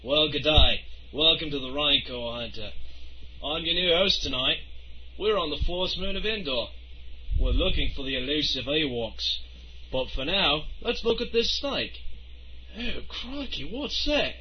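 A man playing an excitable male wildlife TV host who talks in breathless exclamations. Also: a little high, measured pace, slight background noise. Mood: eager. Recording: dull lo-fi recording.

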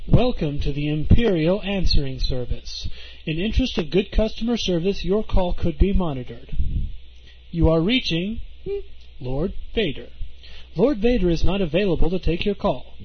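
A man's voice: high-pitched, expressive, normal speed, slight background noise. A man playing a polite male answering-service announcer with a formal delivery. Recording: dull lo-fi recording with music.

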